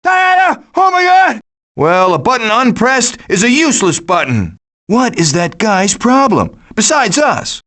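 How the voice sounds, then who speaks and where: A wisecracking raccoon gang leader from a cartoon video game. The voice sits high for a male and swings widely in pitch. The delivery is glib and cocky, with a sarcastic, scheming edge. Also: sing-song, a little slow, fairly bright tone, full character voice. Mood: alarmed, shouting, then cocky, quipping. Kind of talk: animated video game voice acting.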